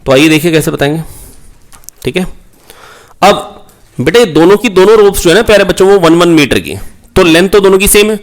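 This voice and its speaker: A man teaching a physics revision class online, coaxing his students, repeating key points and firing quick questions at them. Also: high-pitched, animated. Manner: asks rhetorical questions, prompts answers. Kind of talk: online exam-prep lecture.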